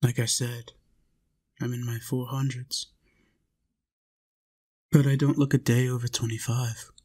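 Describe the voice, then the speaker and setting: A man playing a centuries-old but youthful vampire in an intimate roleplay audio, coaxing and possessive yet tender, speaking in deliberate short phrases with pauses. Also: medium pitch, flat delivery, a little mellow, slightly rough. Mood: musing, hushed. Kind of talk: intimate roleplay audio, slow monologue to listener.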